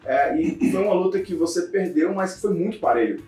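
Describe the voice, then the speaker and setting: A man, interviewing a fighter in a relaxed, chatty way. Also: sits high, brisk, recorded from a distance. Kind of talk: casual interview. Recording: roomy, off-mic with music behind.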